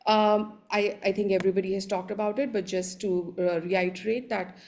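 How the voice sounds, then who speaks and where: A woman with an Indian accent, a native Hindi speaker, giving an explanatory conference presentation in a halting way, often repeating words. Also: mid-range voice, fairly even intonation, darkish tone, slight background noise. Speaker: panelist giving a slide presentation.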